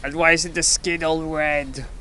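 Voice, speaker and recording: Man acting a sharp-voiced sardonic adventurer. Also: on the high side, flat delivery, unhurried, low-quality recording. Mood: incredulous. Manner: sarcastic, blunt. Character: sardonic, exasperated, easily startled male adventurer hero. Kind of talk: audio drama acting.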